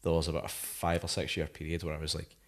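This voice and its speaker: Very deep-voiced Scottish man. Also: completely flat delivery, fast talker. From Scotland. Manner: rambling, many "like" fillers. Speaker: musician guest. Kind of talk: casual interview chat.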